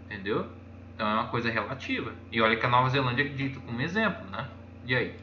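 Brazilian male YouTuber, casual rambling chart commentary, bright tone, roomy dull recording with faint noise. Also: mid-range voice, animated, quick pace. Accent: Brazilian Portuguese. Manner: rambling, constantly saying "ó" while pointing at charts. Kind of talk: casual screen-share commentary. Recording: echoey room, dull lo-fi sound, faint noise.

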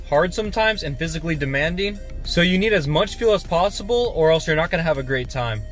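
A YouTuber in his twenties who works in a warehouse offers casual tips to camera in a vlog, sitting inside a car. His voice is fairly high and a bit bright, captured by a phone or camera held at arm's length.

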